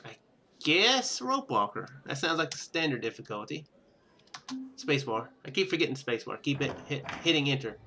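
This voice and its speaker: A man giving casual let's-play commentary, rambling and thinking out loud as he plays. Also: mid-range voice, sing-song, moderate pace, slight background noise. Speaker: gaming video host. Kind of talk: casual let's-play commentary, reading game text aloud.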